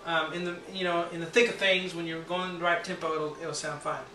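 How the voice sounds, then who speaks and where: A man with a high voice teaching a piano part step by step, patiently counting the beats and humming the notes. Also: little pitch movement, fairly quick, distant mic. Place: room with a piano. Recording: roomy, from off the mic, loud piano.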